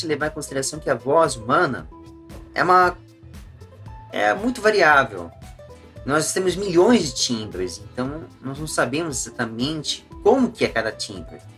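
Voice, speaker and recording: A man with a fairly high voice speaks at a fairly slow pace, his pitch swinging very widely between long, frequent pauses, with music playing in the background. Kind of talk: explanatory, lecture-like.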